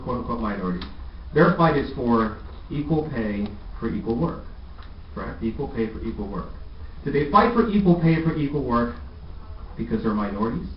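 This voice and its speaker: Man, persuasive podium speaker; dull lo-fi, slight noise. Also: medium pitch. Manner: questioning the audience, persuasive. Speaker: press conference speaker. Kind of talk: speech at a press conference. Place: press club room. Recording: echoey room, distant mic, dull lo-fi.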